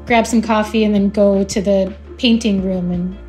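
A woman from Israel whose first language is Hebrew, speaking in an earnest, reflective way with pauses as an artist and community organizer. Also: medium pitch, steady tone, a little mellow, soft background music. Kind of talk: interview soundbite.

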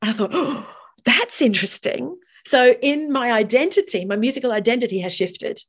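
A woman from Australia, a professional singer, telling stories in a casual interview with animated, chatty delivery. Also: fairly high pitch, normal speed, breathy edge. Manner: chatty, animated storytelling with frequent restarts.

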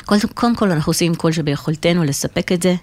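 A woman's voice: fairly low pitch, darkish tone, dry recording. A woman speaking Hebrew with a slight French-sounding lilt, giving emphatic, businesslike answers as an interview guest. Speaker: marketing executive, interview guest.

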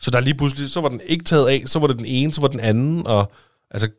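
A man co-hosting a podcast, casually telling a lively anecdote with acted-out dialogue and some swearing. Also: medium pitch, no room sound, clean studio sound. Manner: animated storytelling, swearing, acting out dialogue. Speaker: podcast co-host. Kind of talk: casual chat.

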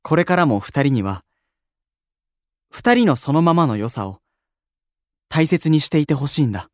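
A man playing a modest, sensitive young male idol in an anime-style audio drama, speaking softly and politely with some hesitance. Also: a little high, lively intonation, moderate pace, dry recording, clean studio sound, natural voice. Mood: sincere, tender.

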